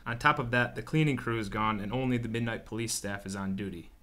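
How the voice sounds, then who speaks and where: A woman's voice: very deep voice, fast talker, a bit bright. A woman playing a wary, grudging police officer in a sci-fi radio drama, speaking in a dry, sarcastic manner. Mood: dry, wry.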